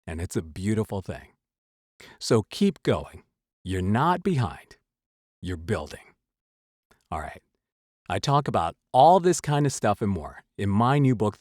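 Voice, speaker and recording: A man hosting a motivational advice talk, emphatic and semi-scripted, with dramatic pauses. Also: lowish voice, darkish tone, dry recording, studio quality. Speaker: host, voice-over coach.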